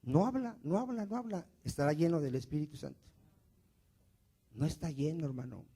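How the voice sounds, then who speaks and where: A man's voice: on the high side, moderate pace, warm tone, breathy edge. A male pastor preaching a sermon, asking the congregation questions and answering them himself.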